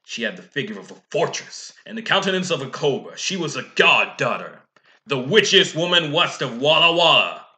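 A young man playing a wry, world-weary hard-boiled detective egg in a dramatic, deliberate noir monologue. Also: medium pitch, very animated, bright, forceful tone. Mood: wry, brooding. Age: young adult. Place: small room indoors.

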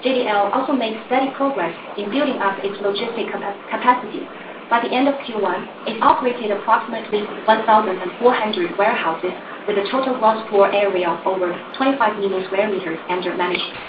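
A woman's voice: medium pitch, fast. A woman interpreter carefully reading formal corporate remarks on a conference call. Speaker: interpreter for executive. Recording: dull, roomy, noisy distant conference line.

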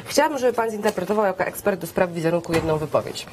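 A woman in her forties hosting a TV studio interview, talking in a brisk and chatty way on a lapel mic. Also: lowish voice, animated, darkish tone, a little hiss or hum. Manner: brisk, talkative. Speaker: TV show host. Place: TV news studio.

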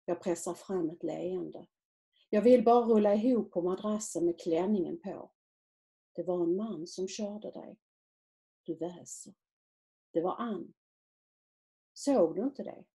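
A woman author reading aloud from her own novel in a measured, quiet literary manner. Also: medium pitch.

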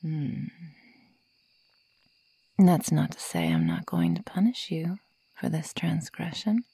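A woman playing a slow, whispering sadistic werewolf girl. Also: deep voice, huge pitch swings, mellow, no echo, heavily acted. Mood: taunting, amused menace. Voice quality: breathy, mostly whispered, creaky. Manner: slow, taunting, menacing. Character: sadistic werewolf girl, predatory, mocking, toying with prey. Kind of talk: ASMR roleplay, whispered.

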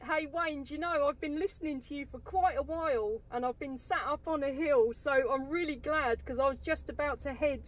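A woman's voice: high voice, brisk, hardly any pauses. An enthusiastic woman, making radio contact as a CB operator from inside a car. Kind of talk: radio contact chat with call signs.

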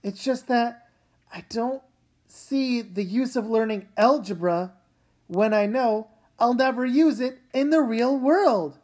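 A woman's voice: a little high, slow pace, a little mellow, pitched below the performer's own voice. A woman voicing a stubborn, argumentative young girl, an older sister in a comic read-aloud.

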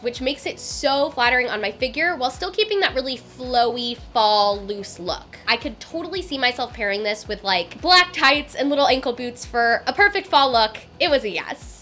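A young woman vlogging a clothing try-on haul in a bubbly, chatty way, her voice a little raspy from a recent strep throat. She talks to a camera in a small decorated room. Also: high-pitched, sharp tone. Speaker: fashion vlogger. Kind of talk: upbeat try-on haul vlog.

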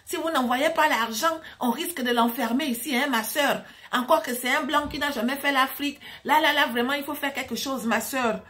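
A woman voicing a male scammer who poses as a police chief, talking in an insistent, wheedling, drawn-out way. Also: sits high, a bit bright, voice pushed up. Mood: pleading.

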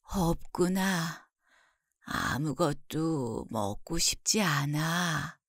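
Woman plays a frail bedridden old mother, soft and dragging, storybook. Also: deep voice, lively intonation, very slow, no echo, studio quality, voice pushed down, exaggerated voice. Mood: weary.

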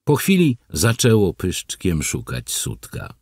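A man's voice: low-pitched, wildly swooping pitch, slow pace, darkish tone, husky, dry recording, clean studio sound. A man narrating a first-person story for an audiobook in a wry, vivid way.

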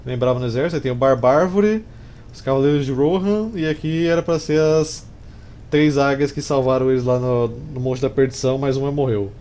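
A man's voice: mid-range voice, a little fast, warm tone. A man in his thirties with a Brazilian accent, commenting casually on a strategy game in informal, slangy speech. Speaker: gameplay streamer. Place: small room indoors. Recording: clear background noise. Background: game sounds and ambience.

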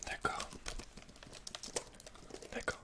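A young man playing a guarded computer repairman and hacker in a halting, breathy whispered ASMR roleplay. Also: background noise. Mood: reserved, matter-of-fact. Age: young adult. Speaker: ASMR creator. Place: small indoor set, dark backdrop.

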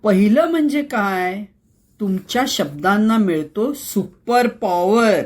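A female host presents a conversational, scripted explainer on voice skills, delivering it theatrically with emphasis and plenty of rhetorical questions. Her medium-pitched voice is expressive and somewhat dark, and she takes her time.

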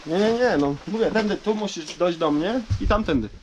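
A man leading the way through a cramped cave passage, calmly giving short practical directions. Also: high voice, normal speed. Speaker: caver leading the route. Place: tight limestone cave passage. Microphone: helmet or handheld action camera. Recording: noisy cave camera audio.

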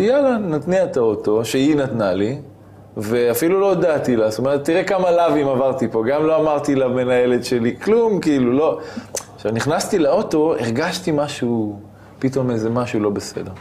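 A man with a mid-range voice appears as an interview guest, recounting a personal story with animation and acting out the scenes he describes.

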